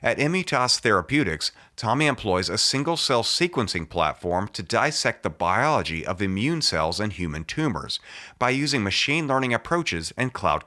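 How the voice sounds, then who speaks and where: A man's voice: fairly low pitch, sharp tone. A man hosting a podcast, reading an introduction in an emphatic, punchy way. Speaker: podcast host. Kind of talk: scripted upbeat introduction, then interviewing.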